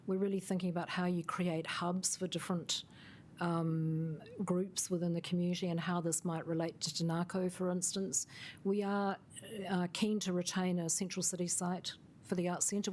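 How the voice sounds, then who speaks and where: Measured woman answering council questions. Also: fairly low pitch, a little mellow, slight background noise. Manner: measured, thoughtful, with fillers. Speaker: council officer briefing councillors.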